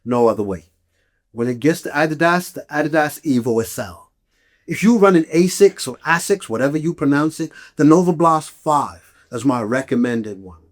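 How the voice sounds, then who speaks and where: A man's voice: medium pitch, animated, normal speed. Conversational, emphatic man hosting a podcast. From Malawi. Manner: conversational, emphatic, often checks in with "okay?". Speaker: running podcast host. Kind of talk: casual explanatory talk to listeners about gear.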